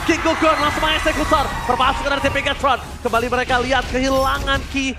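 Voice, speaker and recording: An Indonesian-accented man doing live play-by-play esports commentary in a hyped, shouting fighting game announcer style. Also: extremely high pitch, level tone, fast talker, a loud crowd. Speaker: esports caster. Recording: music behind the voice.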